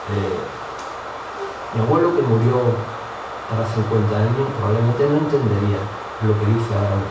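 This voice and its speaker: An Andalusian man gives an informal talk in a public room, chatting with the audience and acting out short exchanges. His voice sits at an ordinary middle pitch. It is picked up from a distance in a very echoey space with loud noise behind. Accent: Andalusian Spanish. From Andalusia, Spain. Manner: conversational, rhetorical questions, acts out dialogues. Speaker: public speaker.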